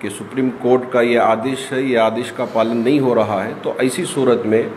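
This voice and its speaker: A man's voice: medium pitch, fairly even intonation, normal speed, darkish tone. A man speaking as a community religious spokesman at a press conference, explaining and appealing to listeners. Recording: reverberant hall with faint noise.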